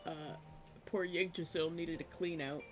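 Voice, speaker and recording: A woman streaming a game from her room at home, chatting casually with many fillers and a slightly hoarse voice from a cough. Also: deep voice, steady tone, a little slow, soft background music. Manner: chatty, rambling with many fillers, laughs often. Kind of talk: casual chat while gaming.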